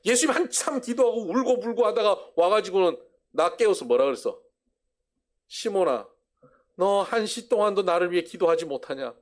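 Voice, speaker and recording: A man voicing a blunt, gruff middle-aged male apostle who talks in a brusque, scolding way and then confesses. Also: high voice, animated, normal speed, pitched above the performer's own voice. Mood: reminiscing.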